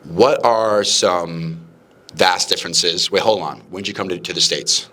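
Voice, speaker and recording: A young man hosts a relaxed podcast conversation with a deep yet bright, forceful tone. He talks in an animated way and jumps into playful imitations of the people he describes. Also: measured pace. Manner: animated, acts out quoted people in raised voices. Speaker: podcast host. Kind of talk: casual podcast chat.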